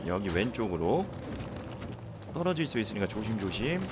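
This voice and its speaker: A man's voice: fairly low pitch, big pitch swings, very fast, noisy background. A man casually commenting on his gameplay at home, muttering and reacting as he plays. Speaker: game streamer. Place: indoors at home.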